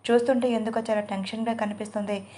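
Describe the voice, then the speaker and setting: A woman's voice: on the high side, level tone, quick pace, warm tone, lightly acted. A woman voicing a worried, kind-hearted male chauffeur in an audio story. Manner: worried, dutiful.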